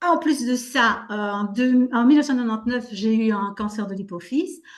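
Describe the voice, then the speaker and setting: Her voice comes across as somewhat breathy. The woman keeps a moderate pace. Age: 60s. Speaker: care assistant giving a testimonial. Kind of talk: testimony.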